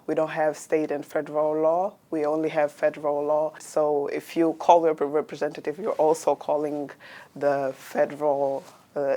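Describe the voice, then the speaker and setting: Young woman student from Angola, low flat voice, measured answers with fillers. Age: young adult. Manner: measured, with frequent pauses and fillers. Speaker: exchange student. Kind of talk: interview answers.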